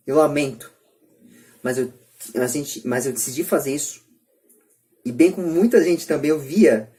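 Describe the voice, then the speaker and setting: A Brazilian man hosting a podcast debate, speaking earnestly and emphatically with halting, repeated phrases. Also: on the high side, a little mellow. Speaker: podcast host.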